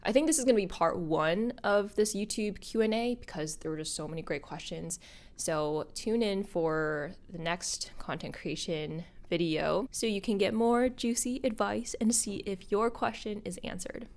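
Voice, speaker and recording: A young woman hosting her own podcast, talking casually and upbeat to viewers, her voice husky because she is a little sick. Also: medium pitch, moderate pace. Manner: bubbly and upbeat, addressing viewers directly. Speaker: podcast host and content creator. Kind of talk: casual solo podcast talk.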